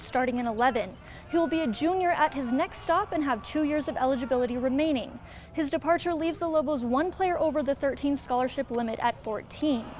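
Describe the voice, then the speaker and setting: A woman's voice: high voice, darkish tone, a little hiss or hum. A woman with an American accent reading a scripted sports newscast as the anchor.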